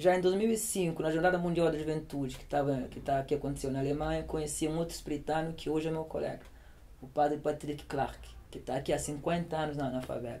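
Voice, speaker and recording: Fairly high in pitch, a man's voice moves at a moderate pace with ordinary pitch variation. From Cape Verde. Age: 30s. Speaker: priest and missionary. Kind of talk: casual interview conversation. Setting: bedroom, recorded with equipment. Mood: reflective, calm. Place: home room.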